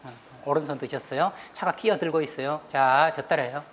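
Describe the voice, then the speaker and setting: A woman giving a lively talk show lecture, acting out little scenes and having the panel repeat her lines. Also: low-pitched, fairly quick, a crowd in the background. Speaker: guest lecturer on stress.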